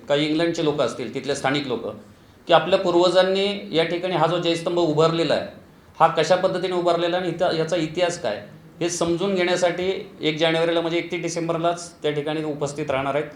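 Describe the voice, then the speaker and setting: A man's voice: a little high, fairly even intonation. Man speaking in an echoey room. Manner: halting, with frequent "uh" fillers and long lists. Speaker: local committee president. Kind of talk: news interview statement. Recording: echoey room with faint ambient noise.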